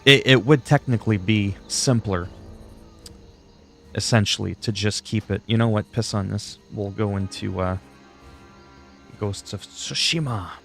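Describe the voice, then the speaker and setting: A man's voice: on the low side, vocal fry, fairly bright tone. A man from Canada whose first language is French, chatting casually on a livestream in a self-deprecating, salty, freely swearing way. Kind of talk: casual rambling livestream chat.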